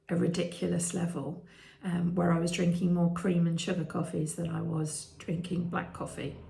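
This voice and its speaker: Croaky, gravelly British woman in her fifties. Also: fairly low pitch, darkish tone. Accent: British English. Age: 50s. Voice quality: croaky at times. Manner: hesitant, many ums and restarts. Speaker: vlogger. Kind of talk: candid personal vlog. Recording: echoey room.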